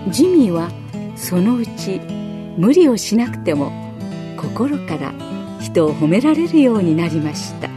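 A woman narrates a children's story aloud in a warm, expressive read-aloud manner. Her pitch moves up and down with lively animation. Plucked guitar music plays throughout beneath her voice. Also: unhurried.

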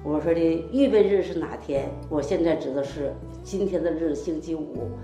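An older woman, a church member, gives a heartfelt, rambling personal testimony packed with quoted dialogue. Her voice is low-pitched and dark at a moderate pace, recorded in an echoey room with faint music behind.

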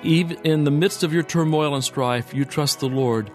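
A man's voice: fairly high pitch, normal speed, soft background music. Earnest man exhorting listeners. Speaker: co-host. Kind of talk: Bible study discussion.

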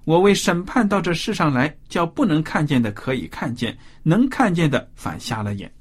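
A man with a husky voice reads the lines of Jesus as a calm, authoritative teacher in a scripture passage. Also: a little high, normal speed. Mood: solemn.

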